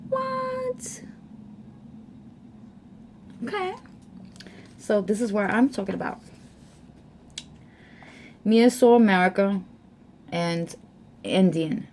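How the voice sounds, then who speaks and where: Woman vlogger, young adult, casual chat, slow delivery, faint background noise. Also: mid-range voice, big pitch swings, warm tone. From United States. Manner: reads results aloud slowly with fillers.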